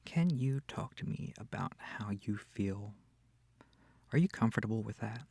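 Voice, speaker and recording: A sweet, comforting incubus demon played by a man speaks close and dry in an ASMR roleplay. His voice is soft and breathy with a touch of gravelly creak, and he takes his time, tender and a little hesitant. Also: fairly low pitch, expressive, measured pace, dry recording, exaggerated voice. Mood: tender, soothing. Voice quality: breathy, often near whispering. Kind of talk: intimate ASMR audio roleplay.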